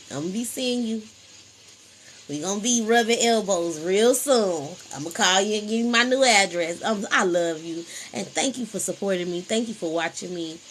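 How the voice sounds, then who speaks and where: A woman's voice: fairly low pitch, slight background noise, poor audio. A woman hosting a casual spiritual livestream, talking in a preachy, repetitive, emphatic way into a phone.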